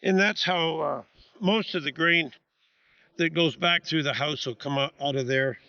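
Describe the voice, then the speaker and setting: A farmer talking quietly and unhurriedly on camera while walking through a large, empty metal grain bin, his voice echoing off the walls. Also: fairly high pitch, a little slow, vocal fry, muffled recording. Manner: talks quietly and unhurriedly, with fillers. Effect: echoey voice inside a large metal grain bin. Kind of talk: casual video walkthrough.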